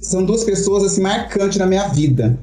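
Appearing as an interview guest, a middle-aged woman who performs in shows recounts her story in a Brazilian Portuguese accent. Her mid-range voice moves at normal speed, the room sounds spacious, and soft music plays in the background. She's dramatic and lively, voicing quotes and frequently asking "you understand?"

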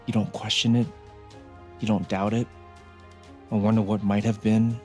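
Slow, tender young man, played by an actor. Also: on the low side, level tone, dark tone, faint music behind, close to an everyday voice. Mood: tender, reflective. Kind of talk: video game drama, gentle narration.

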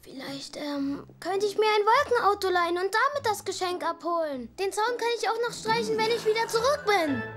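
Very high-pitched naive little cartoon bear. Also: female voice, expressive, brisk, hardly any pauses, over music. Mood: wary, naive. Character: small, naive, clumsy young cartoon bear.

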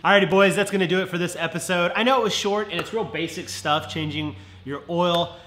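A congested man in his thirties talks straight to his viewers, nasal and friendly, at an everyday pitch. His voice rings off the bare walls of a home garage. Faint music runs underneath. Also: fairly bright tone. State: congested from a head cold. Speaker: car vlogger. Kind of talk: casual how-to vlog. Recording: roomy garage echo.

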